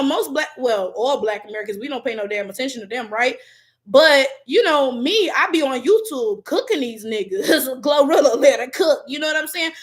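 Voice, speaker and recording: High-pitched and a bit bright, with a voice that cracks, a woman from Detroit chats on a livestream as a YouTuber. She reads viewers' comments aloud in a loose, slangy way and laughs often.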